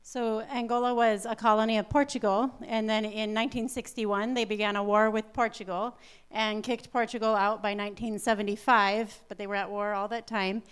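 Clear-voiced woman explaining steadily. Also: medium pitch, flat delivery, moderate pace. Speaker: missionary nurse practitioner. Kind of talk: church mission presentation.

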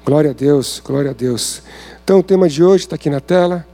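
A man's voice: fairly high pitch, a little fast, dark tone. A man with a Brazilian Portuguese accent giving an informal sermon at a men's service, talking conversationally and asking many rhetorical questions.

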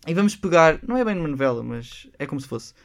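A man's voice: a little high, big pitch swings, fast, vocal fry. A man with a European Portuguese accent hosting a casual radio chat, prompting his co-host with questions.

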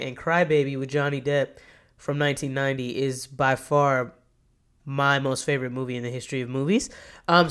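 A woman in her thirties with a nasal, stuffed-up voice from a cold, talking enthusiastically and chattily as a podcast host. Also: rumbling low. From Kentucky, US. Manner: enthusiastic, chatty, self-correcting. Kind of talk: solo podcast monologue.

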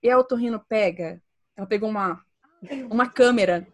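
A woman's voice: mid-range voice, brisk. A woman with a Brazilian accent, co-hosting a podcast in casual chat and telling stories with lots of laughter. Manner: animated storyteller, laughs often. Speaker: podcast co-host.

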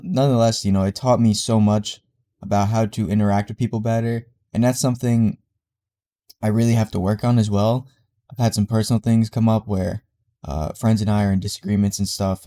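A man's voice: fairly low pitch, warm tone. A young man with a congested voice hosting a casual solo podcast, rambling with fillers and restarts. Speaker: podcast host.

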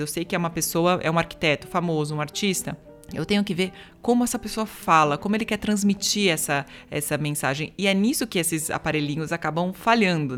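A woman who works as an interpreter, talking casually in an interview and explaining her work with many examples and fillers. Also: on the low side. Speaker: interpreter, guest.

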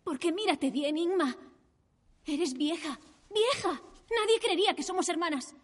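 A woman's voice: very high voice, very animated, normal speed, a bit bright, heavily acted. An actress dubbing a queen who was made young again, urgent and scolding.

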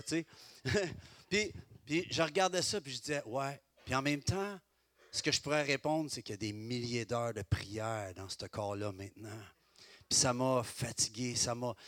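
A middle-aged man with a Québécois French accent preaching a sermon as pastor, swinging between loud exclamations and quiet, confiding asides. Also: mid-range voice, no echo.

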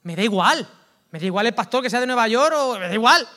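A man with a Valencian Spanish accent, preaching a lively, colloquial sermon that swings from loud outbursts to hushed asides. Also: very high voice, fast. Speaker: pastor.

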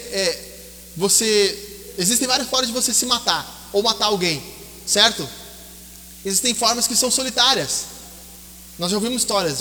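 A man preaching a sermon, telling stories dramatically and dropping low and soft for quoted voices. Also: a little hiss or hum. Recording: long reverb hall.

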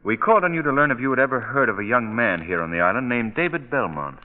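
An actor playing a composed, quietly authoritative gentleman sleuth in an old radio drama, polite and probing. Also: medium pitch, animated, quick pace, natural voice. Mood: courteous, probing. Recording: muffled old radio recording.

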